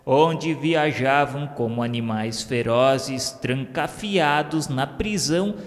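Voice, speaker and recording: A man with a Brazilian accent reading a solemn scripted radio drama narration in formal, measured literary diction. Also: medium pitch. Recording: long reverb, music under the voice.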